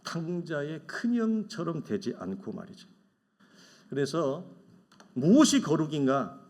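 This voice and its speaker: A man's voice: on the high side, wildly swooping pitch, measured pace, a little mellow. A middle-aged man preaching a Sunday sermon as pastor, talking conversationally, asking rhetorical questions and acting out the voices of the people he describes. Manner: acts out quoted voices of envious people.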